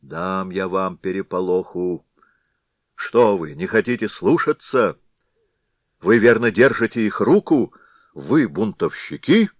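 A man reading an audiobook, voicing a grey-haired one-eyed village head who blusters and shouts orders. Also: low voice, big pitch swings, measured pace, no room sound. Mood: furious.

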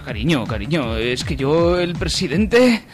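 A man's voice: fairly high pitch, very animated, a little slow. A man playing an exasperated, beleaguered father in an amateur comedy parody, with music behind him. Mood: weary, apologetic. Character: exasperated, beleaguered father searching for his daughter.

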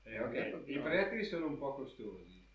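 A man's voice: medium pitch, big pitch swings, normal speed. A man playing a tabletop game, chatting casually in a blunt, slangy, sweary way. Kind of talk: casual chat during role-play game. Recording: echoey room, faint noise.

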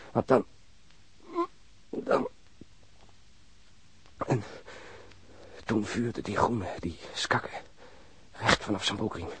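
An actor playing a wounded policeman in a radio drama, speaking halting in strained, broken phrases with a husky, breathy voice. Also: lowish voice, sharp tone, slight background noise. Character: wounded policeman recounting being stabbed, shaken but admiring.

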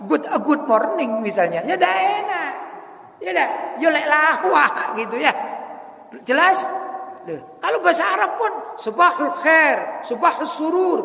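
High gravelly East Javanese preacher. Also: male voice. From East Java. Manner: lively, keeps asking the male audience to agree. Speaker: Islamic preacher. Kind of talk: sermon. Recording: echoey hall with long reverb.

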